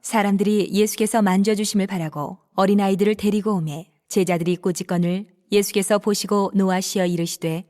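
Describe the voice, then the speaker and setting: Steady woman narrating scripture, echoing hall. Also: mid-range voice, fairly quick, hardly any pauses. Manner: steady, formal reading. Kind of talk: dramatized Bible reading narration.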